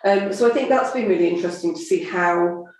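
A woman with a southern English accent co-hosting a casual marketing chat, talking with frequent fillers and pauses. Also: lowish voice, a little mellow. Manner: hesitant, many fillers. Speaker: podcast co-host. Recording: echoey room.

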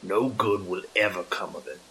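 A man voicing a demented, hostile old male vagrant with an aged, weary, cracking voice and slow, growling rants. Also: deep voice, pushed and bright, rough recording. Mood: furious. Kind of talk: audiobook character voice.

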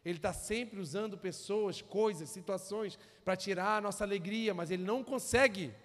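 A man with a Carioca accent preaching a sermon, animated and exhorting the congregation. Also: high-pitched, normal speed. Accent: Carioca Brazilian Portuguese. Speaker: pastor. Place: church hall. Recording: reverberant hall.

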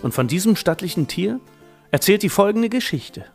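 A man with a fairly high voice reads a scripted historical narration. He tells it as a documentary storyteller, with faint music behind him. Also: expressive, normal speed, gravelly, husky.

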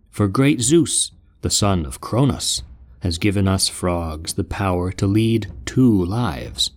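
A man's voice: deep voice, darkish tone. A man voicing a proud male frog king in a storybook epic, speaking in formal, boastful oratory.

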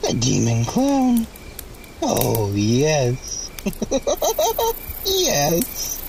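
An actress playing a mad, gleeful raider woman in a dark audio drama, talking in eerie, theatrical sing-song fragments. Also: low-pitched, huge pitch swings, drawn-out words, vocal fry, a little hiss or hum, heavily acted. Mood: manic glee.

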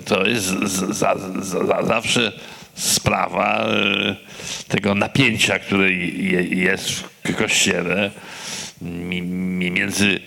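A man giving halting spontaneous remarks at a public discussion, with a pronounced stammer that repeats syllables. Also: low voice, little pitch movement, gravelly, pushed and bright. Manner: halting, hesitant. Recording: reverberant hall.

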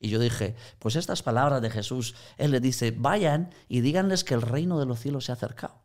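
A man's voice: medium pitch, fairly quick. A man in conversational teaching on Christian mission, telling anecdotes and acting out quoted voices. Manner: animated storyteller, acts out quoted voices.

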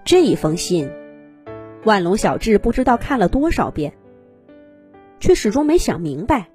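Lively woman telling children's fairy tales. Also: medium pitch, moderate pace, faint music behind. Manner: animated storytelling for young children. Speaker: children's story narrator. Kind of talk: expressive scripted fairy-tale narration.

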